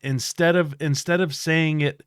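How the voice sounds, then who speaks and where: Slow-talking man, halting and self-critical. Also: a little high, fairly even intonation, fairly bright tone, clean tone, dry recording, clean studio sound. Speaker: podcast co-host. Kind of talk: candid couple's conversation.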